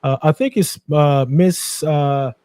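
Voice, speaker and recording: Casting: male livestream show host, slightly high and mellow, informal and meandering. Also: takes it slowly, smooth, no echo. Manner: rambling, repeats himself. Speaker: host of a live boxing call-in show. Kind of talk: casual livestream hosting.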